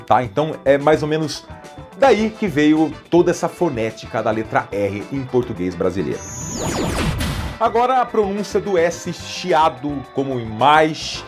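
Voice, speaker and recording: A Brazilian man presents an educational explainer in a relaxed, conversational style. His voice is a little high, and he hesitates often in small ways.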